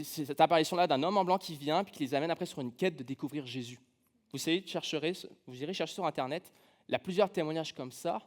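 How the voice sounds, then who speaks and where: A preacher from France with a slightly high voice gives a relaxed sermon in a church. He speaks with a French accent from France, tells personal stories and adds a touch of humour. His speech is informal and full of fillers. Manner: casual, humorous, personal storytelling with many fillers. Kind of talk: conversational sermon. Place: church sanctuary.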